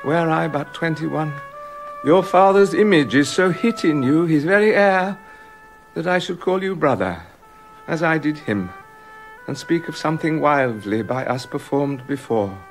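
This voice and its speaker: An actor playing a remorseful king in a radio drama, halting and stammering with emotion. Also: fairly high pitch, faint music behind, rough recording. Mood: tender. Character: remorseful king, haunted by guilt.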